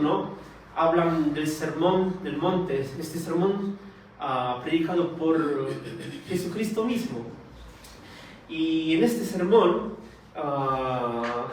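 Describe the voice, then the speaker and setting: A shy man born in Italy preaches slowly and haltingly in a church hall, pausing often on fillers as he searches for words. He is far from the mic, and the hall echoes heavily around him. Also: fairly high pitch. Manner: hesitant, many fillers and restarts; soft-spoken, shy. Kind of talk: sermon with prayer. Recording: distant mic in very echoey hall, faint noise.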